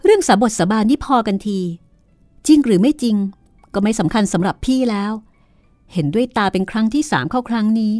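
A woman's voice: on the high side, lively intonation, a little fast, warm tone, no echo, clean studio sound, faint music behind, pitched above the performer's own voice, natural voice. A woman voicing a proud, cold older sister who speaks in a cutting, sarcastic way. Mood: scornful.

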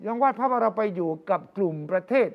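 A man's voice: high voice, expressive, quick pace, gravelly, muffled recording. A man in casual political talk, telling stories and acting out quotes as a news analyst. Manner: storytelling, acts out quotes.

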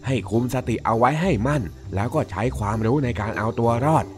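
A man's voice: medium pitch, a little fast, close to an everyday voice. A man voicing a stern wise father sheep. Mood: solemn.

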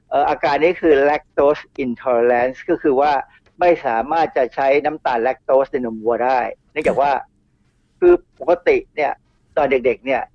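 A man's voice: medium pitch, no room sound. A middle-aged man, a toxicologist guest on a radio show, explaining in a chatty way with asides and repeats. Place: radio studio. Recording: dull radio studio sound.

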